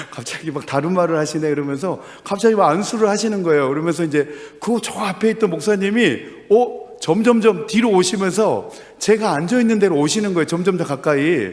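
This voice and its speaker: A man talks in a high pitch with an animated tone, ordinary pitch variation, and a fairly quick pace. Audible room echo and noticeable background noise fill the recording. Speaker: senior pastor. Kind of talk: sermon. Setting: church.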